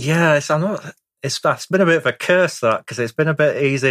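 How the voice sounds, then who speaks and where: A man talks at a fairly quick pace in a normal speaking voice with ordinary pitch variation. The sound is dry and close, with no echo. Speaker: gaming club member. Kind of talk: casual chat.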